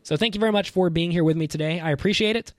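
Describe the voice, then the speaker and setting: A man's voice: sits high, racing, no echo, clean studio sound. A man giving instructional poker commentary as a coach and host, analytical and explanatory, posing questions and answering them.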